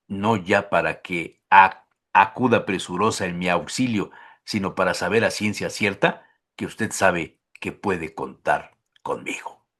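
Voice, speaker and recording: A man hosting a talk show who recites love poems in a slow, soft, dropping delivery. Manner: recites poems slowly and softly, dropping low. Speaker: host.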